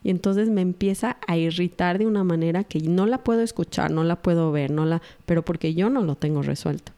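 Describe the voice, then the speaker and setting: A woman's voice: on the low side, a little fast, mellow. A middle-aged woman, speaking earnestly to an audience as a mother sharing parenting advice and acting out the lines of others. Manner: earnest, acts out quoted dialogue. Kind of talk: reflective talk to an audience.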